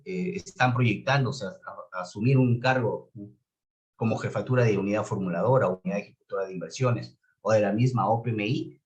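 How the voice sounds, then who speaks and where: A man with a Peruvian Spanish accent teaching a class in a didactic way, stressing key words and checking that students follow. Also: lowish voice. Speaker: course instructor. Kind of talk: online lecture on public administration.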